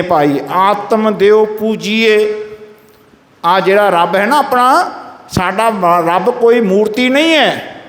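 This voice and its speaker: A man with a high voice preaches a Sikh sermon in a village gurdwara hall. He intones scripture lines slowly and keeps calling on the congregation to respond. The hall is echoey, with a long reverb trailing each phrase. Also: a bit bright. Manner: exhorts listeners to answer "Satnam" aloud.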